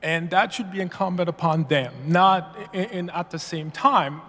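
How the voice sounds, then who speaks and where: A man from Haiti giving public comment at a meeting, halting and full of fillers and restarts. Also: sits high, pushed and bright. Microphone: podium mic. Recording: long reverb of a meeting hall.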